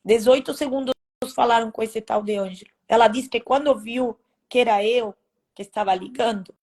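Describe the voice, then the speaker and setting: Testimony: woman, fairly high voice, halting emotional telling with restarts. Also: darkish tone. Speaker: testimony speaker. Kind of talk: personal faith testimony.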